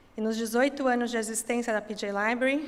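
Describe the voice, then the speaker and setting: In a São Paulo accent, a woman talks at a fairly high pitch with monotone, flat intonation, and the room echo is audible. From São Paulo, Brazil. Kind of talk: sermon-style talk at synagogue service. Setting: synagogue with congregation. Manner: slightly halting, self-correcting.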